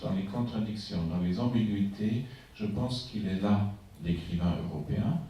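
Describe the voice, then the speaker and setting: A man whose first language is German, a writer speaking reflectively on a panel in a conference hall, pausing to search for words. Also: fairly low pitch, dark tone, a little hiss or hum. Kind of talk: panel discussion. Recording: echoey hall from far off.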